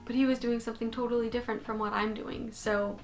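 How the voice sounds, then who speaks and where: A woman's voice: fairly high pitch, quick pace, soft background music. Chatty young woman vlogging from her bedroom. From Canada. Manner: chatty and animated, gesturing with her hands. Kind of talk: casual talking-head vlog. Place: bedroom, indoors. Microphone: fixed camera at desk distance.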